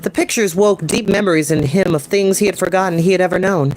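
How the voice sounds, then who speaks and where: A man's voice: sits high, fast talker, a little mellow, a little hiss or hum, low-quality recording. A young adult man reading a book aloud as a storyteller, with casual, enthusiastic asides in slangy language. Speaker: storytime reader and host. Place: small home room with desk and bookshelves.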